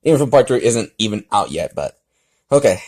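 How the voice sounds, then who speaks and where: Rambling, halting man vlogging. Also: lowish voice, sing-song, a little mellow. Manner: rambling, halting, often restarting sentences. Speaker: host of fan fiction reading videos. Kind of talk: casual rambling vlog talk and fan fiction read-aloud.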